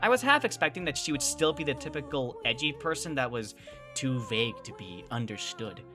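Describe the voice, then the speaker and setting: An actress playing a bewildered, exasperated kid, telling the story in dramatic first person in an audio drama. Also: female voice, a bass voice, lively intonation, a little fast, over music. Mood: brooding, narrating. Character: bewildered, exasperated young kid narrating an apocalypse ordeal.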